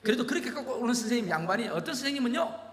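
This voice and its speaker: A man's voice: very high voice, very fast. A man preaching a sermon as pastor, telling stories and firing rhetorical questions at the congregation. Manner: animated storytelling with rhetorical questions. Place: large church sanctuary. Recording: echoey church hall.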